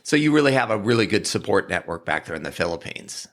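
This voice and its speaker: A man hosts a casual podcast interview. His voice is low, but the pitch swoops widely as he asks loose, rambling questions full of fillers. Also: very animated, fast, a bit bright. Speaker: podcast host, alumni manager.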